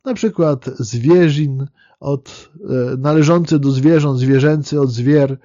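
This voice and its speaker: A man with a fairly high yet dark, mellow voice delivers a measured history lecture, often pausing on fillers and restarting phrases. The recording is dry and a little muffled, with no room sound. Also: no echo. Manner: measured, explanatory, with fillers and self-corrections.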